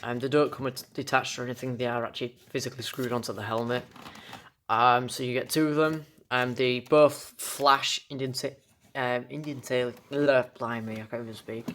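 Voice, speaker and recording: A young British man talks through a collectible in a casual home-style review. His delivery is unscripted and halting, and he trips on words and restarts them. His voice sits at an ordinary mid pitch for a man. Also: fairly even intonation, fairly bright tone, a little hiss or hum. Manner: halting, stumbles over words and corrects himself. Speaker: toy collector reviewing an item on video.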